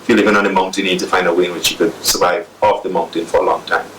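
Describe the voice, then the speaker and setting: A man's voice: low-pitched, little pitch movement, very fast, fairly bright tone, far from the mic, a little hiss or hum, poor audio. A man explaining disaster preparedness in an interview, with a few restarts.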